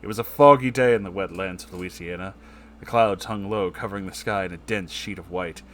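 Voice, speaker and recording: A man's voice: low-pitched, brisk, fairly bright tone, a little hiss or hum. A man narrating a comedic story in a dramatic, theatrical way.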